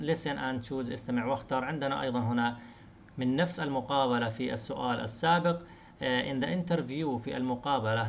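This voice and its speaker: A man teaching an English lesson to students, explaining in Arabic and reading English examples slowly, repeating words to show stress. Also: mid-range voice, vocal fry, slight background noise.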